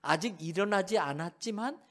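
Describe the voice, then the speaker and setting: Male pastor giving a sermon, high voice, super lively storytelling, keeps asking the crowd questions. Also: normal speed. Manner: animated storytelling, asks the congregation questions. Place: church sanctuary.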